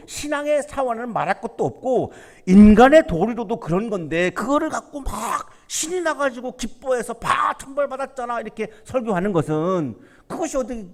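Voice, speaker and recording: A male pastor delivers a lively Sunday sermon in a fairly high voice, asking his listeners rhetorical questions and acting out the speakers in the passage. His voice carries a long reverb from the church sanctuary. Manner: animated preaching, acts out quoted voices; asks the congregation rhetorical questions.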